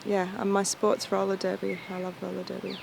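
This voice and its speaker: A woman in her late thirties talks in a flat, gravelly voice. She is relaxed and fills gaps with soft fillers. Background noise hangs behind her. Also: medium pitch, brisk. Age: 30s. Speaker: roller derby player interviewee. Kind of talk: casual interview answers. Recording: noisy background.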